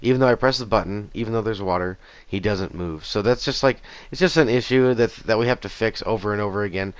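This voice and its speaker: Raspy-voiced man giving gameplay commentary. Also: on the low side, quick pace, no room sound. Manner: easygoing, rambling with fillers and restarts. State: raspy voice after a concert. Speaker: gaming channel host. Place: small home room at a desk. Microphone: gaming headset.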